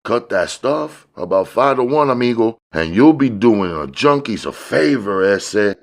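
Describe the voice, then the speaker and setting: A man's voice: lowish voice, big pitch swings, unhurried, voice pushed up. A man voicing a grinning, coaxing drug supplier in slangy, expansive talk for an audiobook. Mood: confident. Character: grinning, mellow, wheedling male drug supplier, street-slang hustler.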